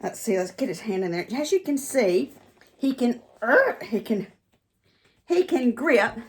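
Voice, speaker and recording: A woman's voice: fairly high pitch, sing-song, unhurried. A woman ventriloquist and comedian talking casually in a chatty, rambling way as she demonstrates on a vlog.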